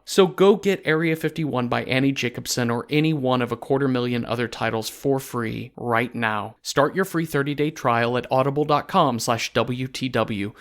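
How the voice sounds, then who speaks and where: Man doing a playful podcast ad read. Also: medium pitch. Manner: playful, deadpan humor, informal. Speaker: podcast co-writer reading a sponsor message.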